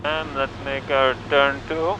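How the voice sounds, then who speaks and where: A man's voice: mid-range voice, flat delivery, unhurried. Man in noisy cockpit, clipped checklist talk. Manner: clipped, methodical, talking through procedures. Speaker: student pilot flying solo. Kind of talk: radio calls and spoken checklist commentary. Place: small aircraft cockpit in flight. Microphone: cockpit intercom headset. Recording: dull cockpit audio with aircraft noise.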